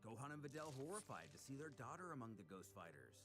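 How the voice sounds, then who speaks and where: A man's voice: mid-range voice, sing-song, quick pace, music in the background. A man giving a dramatic scripted recap of a comic story as its narrator, in a theatrical storytelling manner. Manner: theatrical storytelling with voiced character lines. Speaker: narrator reading a comic aloud.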